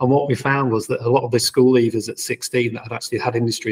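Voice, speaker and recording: Somewhat breathy and flat in intonation, a man talks at a very fast pace. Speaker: podcast host and recruiter. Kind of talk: casual interview.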